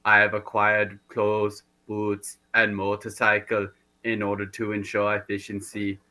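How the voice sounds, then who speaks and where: A rusty, glitching male cyborg, put on by a man speaks in a dead-flat monotone, catching on syllables and restarting words like a robot with failing gears. The delivery is slow and deliberate, in a low-ish but bright, hard-edged voice. It reads as a stiff, deadpan machine in a comedy sketch. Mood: robotic. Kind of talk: comedy sketch role-play.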